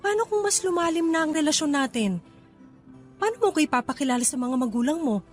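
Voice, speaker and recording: A wounded young hostess in a radio love drama. Her voice is a little high and pleading, guarded and full of feeling, with faint music behind it. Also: expressive, a little fast. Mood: resigned. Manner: pleading, emotional. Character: guarded, hurt young KTV hostess pushing away her suitor. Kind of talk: radio romance drama acting.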